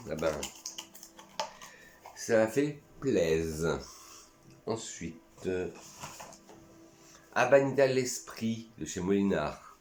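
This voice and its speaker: A man's voice: sits low, reverberant. A man from France chatting casually and enthusiastically in a vlog, reviewing his perfumes and sometimes talking to himself. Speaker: perfume YouTuber.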